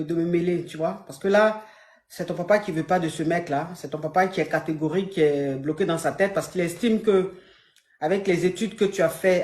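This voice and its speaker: A woman's voice: on the low side, mellow, echoey room. A woman coach giving advice on a call, firm and repetitive, addressing the caller affectionately. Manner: firm, repeats herself, calls caller "my dear". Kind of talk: phone-in advice.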